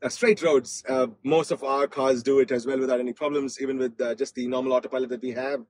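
A man from Australia giving casual, excited commentary as host of a test-drive vlog inside a car, often repeating his phrases. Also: mid-range voice, quick pace, slight background noise. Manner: enthusiastic, repeats phrases, hesitant with frequent repetition.

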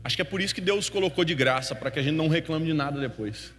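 A man preaching a sermon, telling a story with feeling and swinging from hushed to loud. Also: fairly high pitch, fast talker, a little hiss or hum. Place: church hall. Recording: long hall reverb with faint music.

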